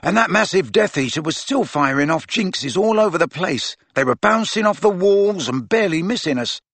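A man voicing an excited teenage boy wizard who tells of a fight emphatically. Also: sits high, normal speed, no echo, pitched above the performer's own voice, full character voice. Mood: agitated.

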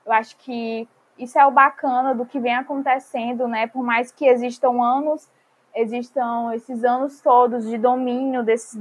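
Chatty young woman, slightly high voice. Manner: chatty, many fillers like "né" and "sabe". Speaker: podcast guest. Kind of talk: casual podcast chat.

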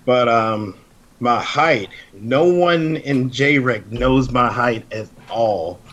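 A man's voice: mid-range voice, drawn-out words, fairly bright tone, muffled recording. Laid-back joking man on a podcast. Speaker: podcast guest. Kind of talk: casual chat.

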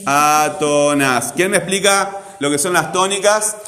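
A man teaching a classroom lesson, brisk and questioning, calling on students by name. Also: high voice, pushed and bright.

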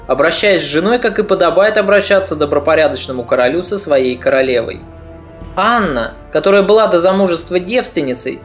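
A podcast narrator reading a scripted history story in a measured, slightly ironic way. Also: medium pitch.

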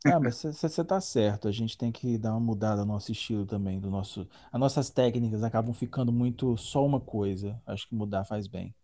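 A man's voice: lowish voice, a little fast, hardly any pauses, mellow. A man hosting a podcast, asking friendly questions in a casual interview chat. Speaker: podcast host.

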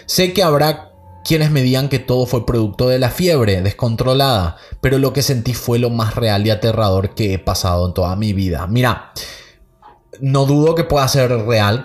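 A man's voice: medium pitch, a little mellow. A man hosting a podcast, reading listener stories aloud and then chatting casually about them. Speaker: podcast host.

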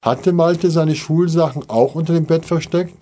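A man's voice: on the high side, normal speed, dark tone, pitched above the performer's own voice, close to an everyday voice. A despairing neighbour father, read by a male storyteller in a slightly raised, pressing voice. He pleads anxiously in a storybook scene. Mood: worried.

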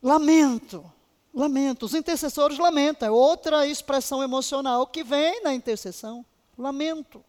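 A woman Bible teacher giving a fervent, emotional lesson on intercession, now and then breaking into soft laughs. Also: high-pitched, moderate pace. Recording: long hall reverb.

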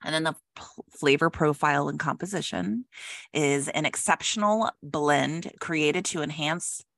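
A woman's voice: sits low, unhurried, creaky, fairly bright tone, no room sound. A woman co-hosting a casual podcast from home, reading product notes aloud and chatting with a giggle. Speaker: podcast co-host. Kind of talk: casual chat. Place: home with cats. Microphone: own microphone.

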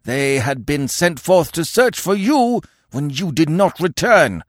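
A man's voice: on the high side, sing-song, a little slow, dry recording, clean studio sound, pitched above the performer's own voice. A man voicing a gaunt old tribal chief in a storybook, howling furious accusations. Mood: furious, accusing. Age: older.

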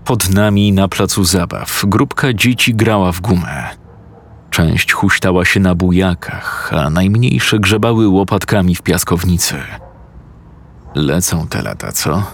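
Deep-voiced man for a measured creepy story reading, unhurried. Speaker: narrator. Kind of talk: horror story narration.

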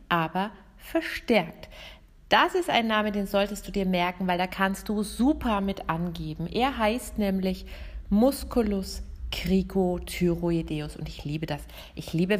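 Lively woman vocal coach. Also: medium pitch, normal speed. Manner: lively, direct, talks straight to the listener. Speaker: vocal coach and podcast host. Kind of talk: podcast lesson on singing technique.

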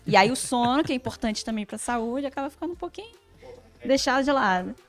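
A woman in a casual chat, talking in an animated, self-deprecating way. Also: on the high side, fast talker, soft background music.

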